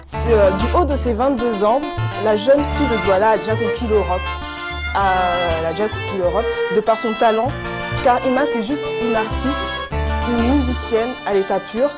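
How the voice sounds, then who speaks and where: A woman presenting a music column on a TV news show, with a lively scripted delivery. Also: a little high, moderate pace. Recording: loud music bed. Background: guitar music.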